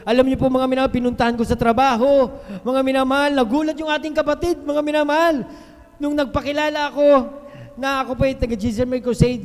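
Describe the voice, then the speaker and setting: A man giving a fervent testimony at a worship service, repeatedly addressing the congregation and breaking into loud hallelujahs. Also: very high-pitched. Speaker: church member giving testimony. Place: church worship hall. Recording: long hall reverb on a live stream.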